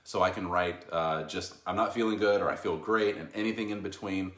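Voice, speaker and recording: A man with a very deep voice, co-hosting in an easygoing, rambling way with plenty of fillers. The sound is echoey, as if in a bare room. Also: brisk, fairly bright tone. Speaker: co-host. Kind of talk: casual chat.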